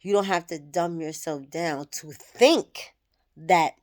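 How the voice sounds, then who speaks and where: Low-pitched and slow, this woman in her thirties speaks candidly to the camera as a vlogger, reflecting aloud in a personal monologue and cursing without restraint.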